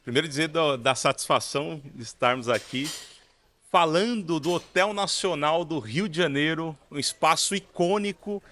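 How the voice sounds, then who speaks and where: A Brazilian man with a slightly higher voice co-hosts in a hotel lounge on a boom mic. He speaks earnestly and formally. He restarts phrases as he goes and builds up his point. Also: fairly quick, a bit bright, a little hiss or hum. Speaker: co-host. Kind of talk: co-hosting an interview. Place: large hotel lounge, indoors. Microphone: desk mic on boom arm.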